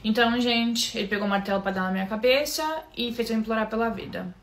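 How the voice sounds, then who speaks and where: A Brazilian woman with a Brazilian Portuguese accent tells her own story to the camera, speaking softly and haltingly, often starting over and turning to address her listeners. Her pitch is fairly high, with slight background noise.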